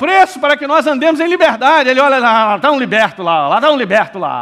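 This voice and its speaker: A man speaks at a moderate pace in an animated tone with lively intonation, and noticeable background noise is present. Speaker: pastor. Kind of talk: sermon.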